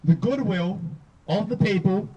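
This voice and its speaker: A man gives a measured public speech at an outdoor rally, phrasing in short deliberate clauses. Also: sits high, breathy edge, highs cut off. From Australia. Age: 20s. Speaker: youth speaker at a rally. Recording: distant outdoor rally recording.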